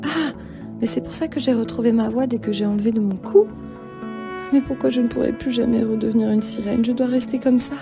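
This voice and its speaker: A woman's voice: on the high side, fairly quick, creaky, voice pushed up. A woman voicing an earnest, naive young mermaid in a cartoon fairy tale, puzzled and pleading. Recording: music behind the voice.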